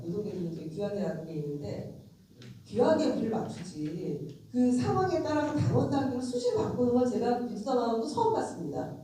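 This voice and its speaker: A woman's voice: fairly high pitch, mellow. Woman with a cold in an echoey hall. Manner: frank, emphatic, addresses audience directly. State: has a cold. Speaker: lawmaker giving a lecture. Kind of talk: conversational political lecture. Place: convention center lecture hall. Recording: very echoey hall, distant mic.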